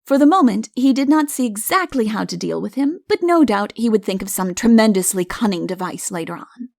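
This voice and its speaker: A woman's voice: a little high, lively intonation, fairly quick, gravelly, a little mellow, no echo, clean studio sound. A woman reading a comic fairy tale as an audiobook narrator, in scripted storytelling style.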